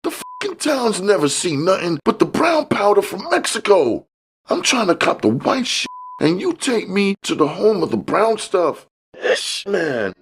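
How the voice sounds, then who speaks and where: Man voicing a hip, edgy novice dealer, gravelly. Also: sits high, sing-song, unhurried, voice pushed up, full character voice. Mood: indignant. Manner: slangy street talk. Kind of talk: audiobook character dialogue.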